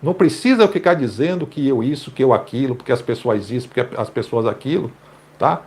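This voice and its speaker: A pastor commenting on a video clip in a sermon-like way, emphatic and repeating phrases for stress. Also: male voice, medium pitch, animated, a little fast, darkish tone.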